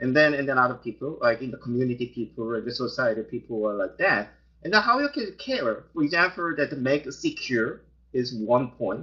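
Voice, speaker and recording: Talking at a fairly quick pace, a man speaks with a Korean accent. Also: medium pitch for a man, ordinary pitch variation. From South Korea. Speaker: IT and patent expert, panelist. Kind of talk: panel discussion. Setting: online webinar. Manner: halting, repetitive fillers.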